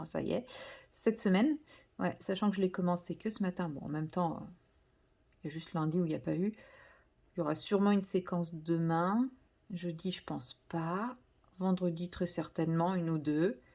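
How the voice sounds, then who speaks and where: A woman's voice: lowish voice, mellow. A woman chatting casually to viewers while she colours, rambling and correcting herself as she goes. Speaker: vlogger.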